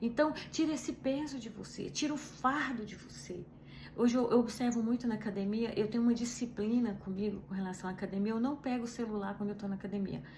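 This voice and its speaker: A woman with a fairly high voice and ordinary pitch variation speaks at a very fast pace. Audible room echo and noticeable background noise fill the recording. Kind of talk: devotional talk.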